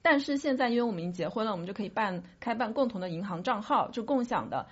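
A woman's voice: a little high, lively intonation, fast talker, breathy edge, dull audio. A woman co-hosting a podcast, chatting casually and explaining things candidly among friends. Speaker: podcast co-host.

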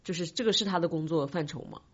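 Husky woman chatting at a brisk clip. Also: lowish voice. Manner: reassuring, questioning. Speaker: podcast host. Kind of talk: casual panel chat. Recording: dull, band-limited sound.

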